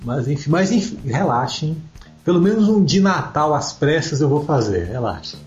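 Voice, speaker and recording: A young Brazilian man hosting a podcast in a relaxed, easygoing way. The recording is roomy and dull, and faint music plays underneath. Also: on the high side, moderate pace. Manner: relaxed, reads listener comments. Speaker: podcast host. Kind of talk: casual chat.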